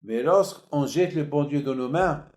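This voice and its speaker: A man's voice: a little high, a little slow, a little mellow. A man, a rabbi, giving a sermon with emphatic, repetitive phrasing. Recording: echoey room.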